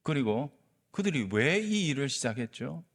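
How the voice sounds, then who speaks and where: A male pastor preaching a sermon, telling a story with lively delivery and acting out the quoted lines. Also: medium pitch, normal speed. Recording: long reverb of a large hall.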